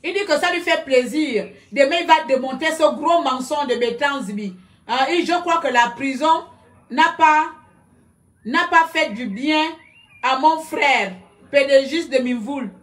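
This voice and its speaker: Woman streamer, high-pitched, loud and combative, shouts at her viewers over a webcam. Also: unhurried. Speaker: live-stream commentator. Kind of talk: heated live-stream rant. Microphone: computer webcam.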